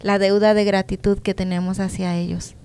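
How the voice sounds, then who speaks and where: A woman's voice: medium pitch, flat delivery, moderate pace, a little mellow, clean tone. A woman co-hosting a Christian advice talk, speaking in an earnest, reasoning way. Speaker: co-host.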